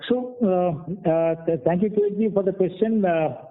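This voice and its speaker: A man with an Indian accent, a company executive haltingly answering analysts' questions on a conference call, with frequent pauses. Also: sits high. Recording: tinny phone conference line.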